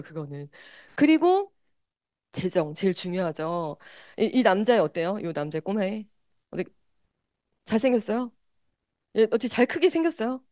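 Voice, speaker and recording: Lively high-voiced woman rallying a crowd. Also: no room sound. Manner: animated, keeps addressing the audience with rhetorical questions. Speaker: business seminar presenter. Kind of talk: motivational sales seminar talk.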